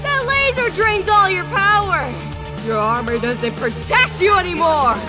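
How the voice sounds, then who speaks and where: A woman's voice: very high-pitched, animated, measured pace. A woman voicing a cruel, taunting young warrior villainess in an anime-style drama, with music and battle effects behind her. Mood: smug. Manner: taunting, scornful.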